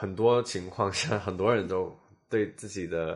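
A man talks at a fairly low pitch. His pace is fairly slow and his intonation fairly even. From South Korea, partly raised in Beijing. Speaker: freelance designer and translator. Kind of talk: casual chat. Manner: hesitant, many fillers.

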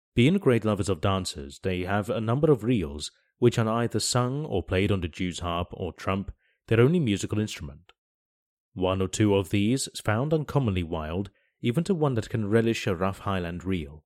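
An unremarkable speaking voice moves at a moderate pace with lively intonation, dry and close with no echo, in a very clean recording with a silent background. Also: man, fairly low pitch for a man. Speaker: voiceover reader. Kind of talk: audiobook reading of an 18th-century preface and essay. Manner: formal, measured, steady literary reading.

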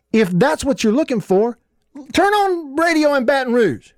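A man with a Mississippi accent at a moderate pace with very wide pitch swings, in a very clean recording with a silent background and a dry, close sound with no echo. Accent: Southern US (Mississippi). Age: 40s. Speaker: sports radio host. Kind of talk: sports talk radio. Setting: studio. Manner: animated.

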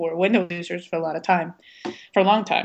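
A woman's medium-pitched voice with a slight Spanish accent and fairly even intonation. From Guatemala (Guatemala City). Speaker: podcast co-host, graphic designer. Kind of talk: casual chat. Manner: halting, many fillers.

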